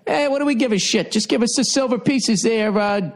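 A middle-aged comedian with a very high-pitched voice reads a text aloud at a slightly fast clip in a dim study with a leather chair. He keeps breaking off into sarcastic, profane comic asides as a running commentary.

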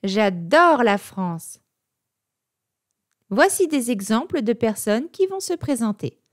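A woman teaches vocabulary in a slow, carefully measured delivery. Her fairly high voice moves up and down, giving the scripted lesson a lively shape. The recording is dry and close. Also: no room sound.

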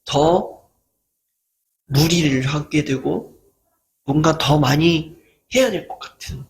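A man's voice: fairly high pitch, slow pace. A man who hosts a channel, giving an earnest motivational talk and acting out people's mocking remarks as he goes. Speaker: lecturer and channel host.

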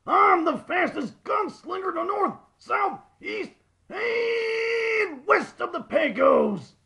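A furious little cartoon cowboy outlaw, blusters in an American Western drawl. The voice is extremely high and full of gravel, bellowing slowly with a short fuse. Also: male voice, very animated, sharp tone, full character voice. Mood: boastful, threatening.

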